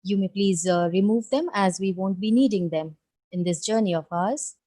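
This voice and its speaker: A woman leading a guided meditation, giving gentle, soothing instructions with long pauses. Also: medium pitch.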